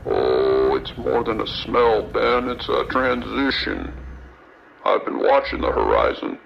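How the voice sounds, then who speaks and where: Very gravelly, unsettling male trucker. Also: fairly low pitch, sing-song, heavily acted. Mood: morbidly entranced. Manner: slow, dreamy, theatrically savoring each phrase. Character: eerie, morbidly fascinated male trucker with unhinged calm. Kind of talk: horror audio drama radio acting. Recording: muffled CB radio with faint noise.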